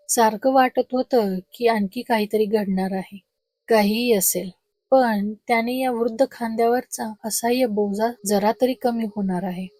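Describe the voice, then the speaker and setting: A woman's voice: fairly high pitch, mellow, no room sound. Woman reading a horror story aloud.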